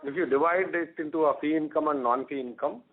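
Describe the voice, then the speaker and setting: A man's voice: a little high, quick pace. A man, a company executive answering on a conference call, hesitant with many fillers. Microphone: telephone. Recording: phone-line audio.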